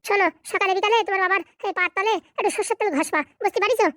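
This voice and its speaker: A performer playing a boastful village quack doctor in a cartoon comedy. He talks in smooth, smug patter at a hurried pace, in a very high, squeaky cartoon voice. The recording is close and dry. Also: steady tone, a bit bright, no echo. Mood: reassuring.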